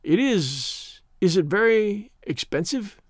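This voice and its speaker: A man's voice: high voice, lively intonation, slow pace, no echo, clean studio sound, heavily acted. A man voicing a proud, earnest young farm girl who speaks hesitantly. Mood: cool.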